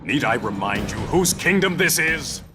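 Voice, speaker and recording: A man's voice: medium pitch, sing-song, normal speed, close to an everyday voice. A man voicing a proud undersea king giving curt orders, with music behind. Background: orchestral score.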